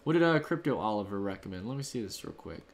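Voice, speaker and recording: A man's voice: on the low side, expressive, quick pace. A man hosting a livestream from home, casually thanking donors and answering chat in a loose, rambling way. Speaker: livestream host. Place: home room.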